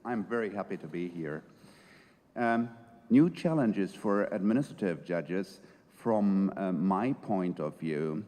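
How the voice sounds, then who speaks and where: Slow-spoken middle-aged man in lecture hall. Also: low voice, expressive, mellow. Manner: slow, thoughtful, hesitant with fillers. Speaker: conference speaker, judge. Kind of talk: academic conference talk.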